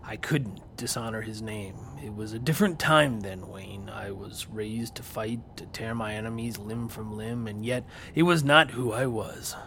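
An actor playing a grave warrior, telling his own story in a solemn, hushed first-person narration. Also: fairly low pitch, normal speed, few pauses, a little hiss or hum. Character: grave Viking warrior man recounting his past.

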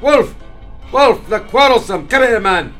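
A man's voice: very high voice, expressive, measured pace, fairly bright tone, faint music behind, exaggerated voice. An actor playing a proud, menacing old king, commanding and sneering in an audio drama. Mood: scornful. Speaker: villain.

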